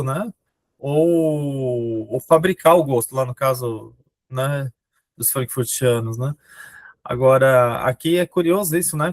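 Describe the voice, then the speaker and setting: A Brazilian man takes part in a casual philosophy discussion, his voice a little high and recorded dry and close. He thinks out loud, pausing and circling back, often checking in with his listener. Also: dry recording. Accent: Brazilian Portuguese. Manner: hesitant, thinking aloud, frequent "né". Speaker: discussion participant.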